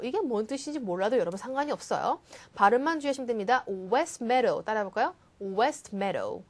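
Lively, slow-paced woman teaching English. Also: on the high side. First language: Korean. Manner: coaxing, drills English lines slowly for repetition. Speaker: English speaking test instructor. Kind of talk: lecture-style exam prep lesson.

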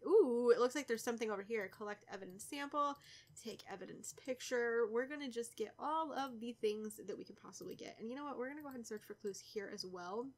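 A young woman with a cold, stuffy and a little raspy, chatting casually through a let's play and teasing the characters. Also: on the high side, fairly bright tone. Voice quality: slightly raspy. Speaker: gaming YouTuber.

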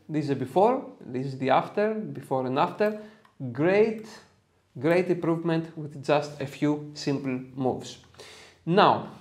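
A man's voice: a little high, a little mellow. A man in his thirties with a Greek accent, teaching a photo editing tutorial in a chatty, upbeat way from a small home studio. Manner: upbeat and chatty, jokes about himself. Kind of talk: software tutorial with casual asides. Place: small home studio room with red lighting.

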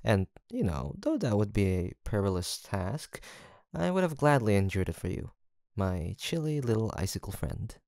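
A male voice actor plays a young college roommate with a crush, in a low voice with plenty of creak. He is gentle and teasing, a little hesitant, and his intonation moves around a lot. It is an intimate, one-sided roleplay conversation. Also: very animated, normal speed, no echo, clean studio sound. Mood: caring, playful.

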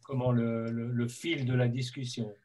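A man's voice: medium pitch, level tone, moderate pace, darkish tone. A man in his fifties hosting a casual chat on a video call from home, hesitant with many fillers and given to playful teasing. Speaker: host. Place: home room, indoors.

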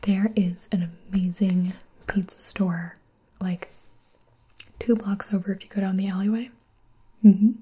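A woman in her twenties playing a friendly, chatty young public librarian in a whispered role-play, with a gentle, breathy library whisper. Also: medium pitch. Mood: chatty, helpful. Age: 20s. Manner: soft-spoken library whisper, gentle and casual.

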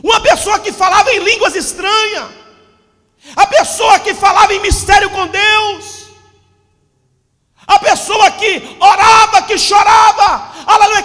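A pastor in his forties preaching a fervent Pentecostal sermon into a handheld mic, often shouting. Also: very high voice. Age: 40s. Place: church hall with a stage backdrop. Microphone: handheld microphone. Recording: long hall reverb.

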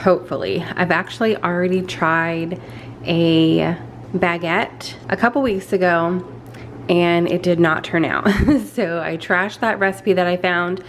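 A woman's voice: on the low side, steady tone, measured pace, a little hiss or hum. A woman casually talking through a bread recipe in her home kitchen, chatty and a little self-deprecating. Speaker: vlogger. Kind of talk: casual cooking walkthrough.

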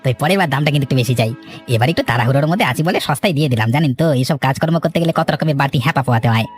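A man acting a cocky, fast-talking cartoon swindler. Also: mid-range voice, animated, soft background music, natural voice. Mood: boastful, wheedling. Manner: boastful, wheedling. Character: cocky, greedy village swindler, smooth-talking and treacherous. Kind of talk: dramatized cartoon villain dialogue.

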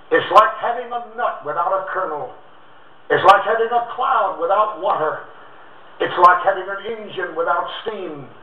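A male preacher delivering a sermon in a rhythmic, alliterative cadence, slowing and dropping low for emphasis. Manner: slows and drops low for emphasis. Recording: tinny, far-off, echoey old recording.

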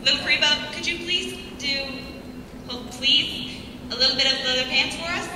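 A woman's voice: high voice, moderate pace. A young woman chatting casually as an audience questioner on a hall microphone, recorded from far off. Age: young adult. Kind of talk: casual chat. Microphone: handheld audience mic. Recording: very echoey hall, far off, crowd noise.

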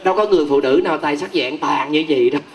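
A man's voice: a little high, rapid-fire. A young man with a southern Vietnamese accent hosts a game show on stage, teasing people and hyping the crowd. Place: outdoor evening banquet stage. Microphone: handheld microphone. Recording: loud music, live PA at outdoor event.

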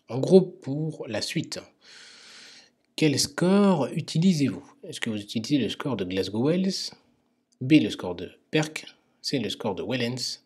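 Male medical teacher, husky, hesitant explainer, quiz lecture. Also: medium pitch, a little mellow.

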